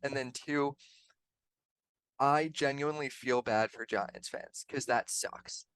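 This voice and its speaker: A man's voice: mid-range voice, slow pace, a bit bright, clear, resonant tone, dry recording, low-quality recording. A man co-hosting a sports podcast, talking through the numbers in a chatty, analytical way. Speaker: podcast co-host. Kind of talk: casual sports chat.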